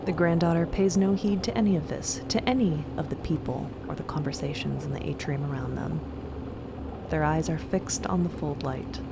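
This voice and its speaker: Lowish-voiced woman narrating fiction. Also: normal speed, vocal fry, very noisy. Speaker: podcast narrator. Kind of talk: improvised story narration.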